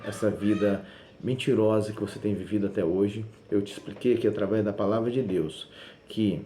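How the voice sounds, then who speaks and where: A lowish, warm-toned man preaches insistently and emphatically, returning to the same phrases again and again. It's a sermon video with roomy echo and a faint hiss of background noise.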